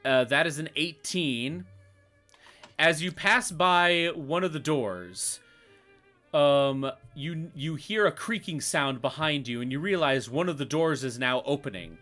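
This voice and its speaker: A man's voice: fairly high pitch, expressive, pushed and bright, soft background music. A man narrating as game master of a tabletop game, laid-back and full of "um"s. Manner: laid-back, with frequent "um" and quick chuckles.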